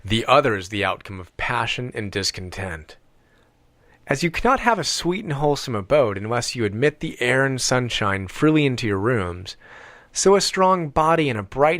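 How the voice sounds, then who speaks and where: A man reading an audiobook in a deliberate, measured way with emphatic pauses. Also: medium pitch, a bit bright, dry recording. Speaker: audiobook reader. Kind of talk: scripted audiobook narration.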